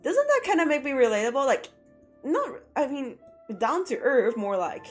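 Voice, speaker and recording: A woman's voice: high-pitched, huge pitch swings, moderate pace. A young woman streaming as a VTuber while drawing, chatting casually and rambling with lots of fillers, her throat a bit sore. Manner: rambling, filler-heavy, self-deprecating. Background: faint music.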